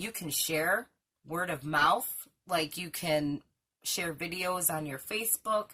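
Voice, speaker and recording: Loud and at a very slow pace, a woman speaks with a bright, sharp tone at a fairly low pitch. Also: ordinary pitch variation. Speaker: craft channel host. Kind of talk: casual chat. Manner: animated.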